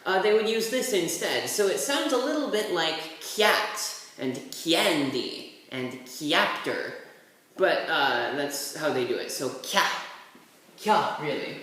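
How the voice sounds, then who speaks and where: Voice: medium pitch, big pitch swings, takes it slowly, fairly bright tone, distant mic. Laid-back tutor in a very echoey room. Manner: laid-back and rambling, with offhand asides. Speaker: language tutor. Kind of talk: casual tutorial while writing characters. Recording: very echoey room, voice set back from the mic, faint hiss.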